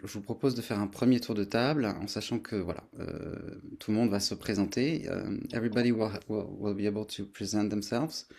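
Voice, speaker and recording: A man hosting a workshop, explaining things to a group spontaneously in a halting, searching way. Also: lowish voice, gravelly, darkish tone. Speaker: workshop host and facilitator. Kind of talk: spontaneous presentation to an online group.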